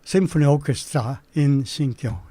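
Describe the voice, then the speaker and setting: A man in his eighties, native Korean speaker, recalling his childhood in a halting way with many pauses. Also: a little high, warm tone, no room sound. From Manchuria. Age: 80s. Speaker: guest. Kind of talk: recalling memories in an interview.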